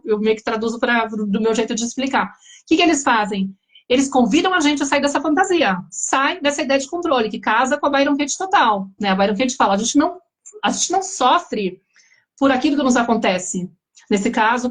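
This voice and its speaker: A Brazilian woman in her forties talks at length in a casual live stream. Her voice sits high and she piles up examples as she explains. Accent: Brazilian Portuguese. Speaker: pediatrician guest.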